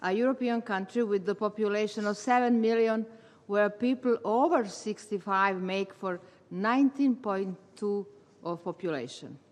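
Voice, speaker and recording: Older woman, formal speech, echoing hall. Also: mid-range voice. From Serbia. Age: 70s. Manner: measured, formal delivery with careful phrasing. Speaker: retired English teacher speaking as Red Cross volunteer. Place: large meeting hall. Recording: long hall reverb.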